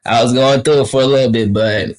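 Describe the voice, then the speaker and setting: Here a guest trader, a young adult from Kenya and native Swahili speaker, discusses trading on a video call in an easygoing, slangy casual interview. He talks fast in a mid-range voice with fairly even intonation.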